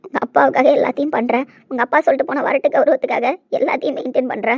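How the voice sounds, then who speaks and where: A woman playing an anguished middle-aged mother in a family web drama, swinging between pleading and scolding. Her voice sits a little high and the words pour out fast. The delivery is emotional and pressing. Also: fairly even intonation, lo-fi sound, close to an everyday voice. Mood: desperate. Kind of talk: Tamil web-series acting.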